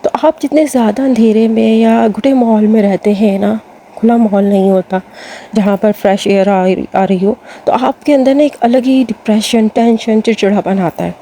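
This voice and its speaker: A woman's voice: a little high, steady tone, dark tone, slight background noise. A woman with a Pakistani Urdu accent giving casual advice to women, chatty and full of fillers, speaking to her viewers as sisters. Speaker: lifestyle advice host.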